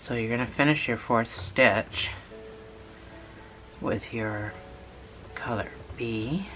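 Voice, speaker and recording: A channel host talking through a lesson step by step, patient and repetitive, a little hoarse from a cold. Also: mid-range voice, slow, fairly bright tone, faint music behind. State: has a cold, losing voice. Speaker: instructor. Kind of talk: step-by-step tutorial narration.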